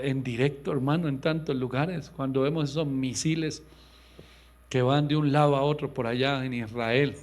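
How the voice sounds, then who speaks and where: A male pastor delivering an impassioned sermon, swinging between loud, raised lines and hushed, low ones, and acting out quoted voices in a higher pitch. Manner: impassioned preaching with sudden loud rises and hushed drops. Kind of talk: radio sermon.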